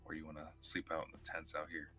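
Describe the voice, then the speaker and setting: A man's voice: very deep voice, monotone, quick pace, bright, forceful tone, faint music behind. A man playing a tabletop role-playing game, talking casually in character with folksy phrasing.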